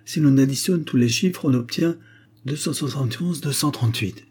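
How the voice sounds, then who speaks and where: A man lifts his voice to play a quick-witted young gypsy woman in an audiobook. She is firm and sharp-tongued. The tone stays mellow and a little husky. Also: mid-range voice, voice pushed up.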